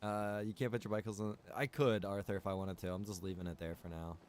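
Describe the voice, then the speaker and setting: A man's voice: lowish voice, steady tone, quick pace, a little hiss or hum. A man chatting casually while streaming a game, informal and slangy, with some swearing. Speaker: streamer and game server developer.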